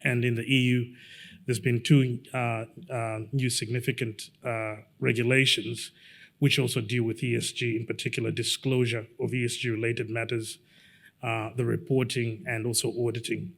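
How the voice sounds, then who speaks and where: Gravelly, halting man from Zambia. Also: medium pitch, level tone. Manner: measured, halting, with frequent fillers. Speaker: lawyer giving a conference presentation. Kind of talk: conference presentation.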